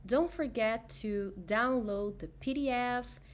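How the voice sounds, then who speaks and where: A woman with a Brazilian accent, a native Portuguese speaker, teaching pronunciation with deliberately enunciated nasal vowel drills for learners to repeat. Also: fairly high pitch, slight background noise. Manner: slow, deliberate enunciation of example words and nasal sounds. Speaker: language teacher.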